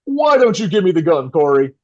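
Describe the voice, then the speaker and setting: Guy doing a wry nervous radio host for an audio drama, super lively pitch, kinda lo-fi sound. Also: fairly quick. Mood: uneasy, dry. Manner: theatrical announcer delivery, dry sarcasm. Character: polished, nervous male live radio broadcaster, wry and showy. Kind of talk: old-time radio play acting.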